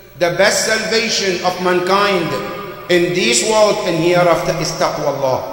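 Audible room echo surrounds a man speaking at a fairly slow pace. His high pitch has ordinary pitch variation. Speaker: preacher. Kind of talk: sermon. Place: hall.

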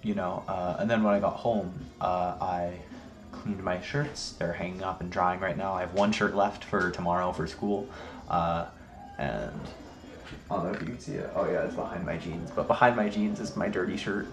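Over clear music in the background, a man with a very deep, low pitch speaks at a moderate pace with ordinary pitch variation. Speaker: vlogger. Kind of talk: casual vlog chat. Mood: relaxed, laughs often. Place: home room. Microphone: webcam.

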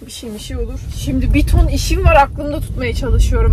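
A woman speaks at a very fast pace. The sound is dry with no echo, over loud background noise. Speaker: family vlogger. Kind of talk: casual vlog chat. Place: car. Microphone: phone near.

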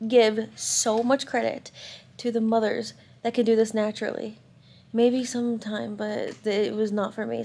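A woman speaks at a moderate pace in a dark, mellow tone. Her intonation is monotone and flat. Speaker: expectant mother vlogger. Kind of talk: casual vlog chat. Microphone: phone near.

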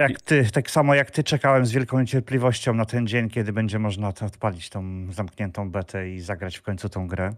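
Against a quiet background, a man with a plain, everyday voice speaks at a fairly quick pace and fairly low pitch, with ordinary pitch variation and hardly any pauses. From Poland. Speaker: gaming streamer. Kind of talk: casual chat. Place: home room. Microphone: studio mic.

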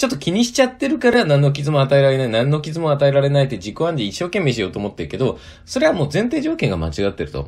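At a very fast pace, a man with a fairly high pitch sounds somewhat breathy as his pitch swings very widely. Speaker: online seller instructor. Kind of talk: casual solo audio diary talk. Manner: explanatory, conversational.

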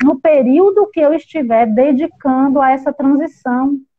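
Against a quiet background, a woman speaks at a fairly slow pace. Her pitch is high, with ordinary variation. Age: 50s. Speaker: health worker and sewing entrepreneur; interview guest. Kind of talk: testimony in online interview. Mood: earnest, emotional, motivational. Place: home room. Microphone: audio cutting out; video call.

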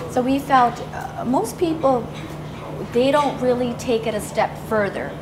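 Amid noticeable background noise, a woman talks fairly slowly in a high voice with ordinary pitch variation. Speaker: real estate agent; talk show guest. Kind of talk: casual chat. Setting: stage with audience. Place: studio.

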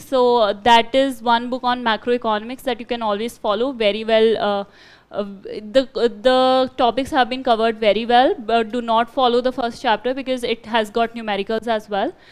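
A woman speaks at a high pitch and a moderate pace. Her intonation is fairly even, with hardly any pauses. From India, Hapur (Uttar Pradesh); Uttar Pradesh, India. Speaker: civil services exam topper. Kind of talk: Q&A talk to exam aspirants. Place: classroom. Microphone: headset.

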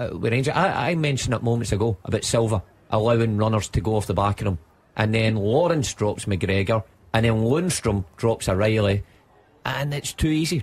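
A man's somewhat breathy, medium-pitched voice at a moderate pace with ordinary pitch variation. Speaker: football pundit. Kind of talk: live match commentary and analysis.

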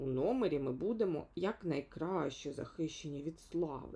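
In a raspy, put-on character voice at middle pitch, the speaker goes at a moderate pace. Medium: read story.

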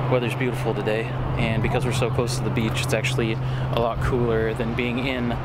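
A man talks at a fairly quick pace. Loud background noise fills the dry sound, which has no echo. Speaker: travel vlogger. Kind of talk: casual vlog chat. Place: waterside. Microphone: phone near.

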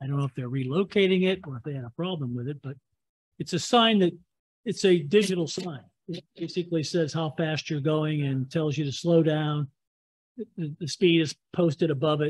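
An unremarkable speaking voice from a man, fairly high in pitch, with ordinary pitch variation and a moderate pace. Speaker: township supervisor. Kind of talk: public meeting. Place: meeting room. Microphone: podium.

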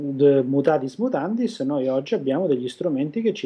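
A man speaks at a moderate pace. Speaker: interviewee. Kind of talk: interview answer. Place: home room. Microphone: video call.

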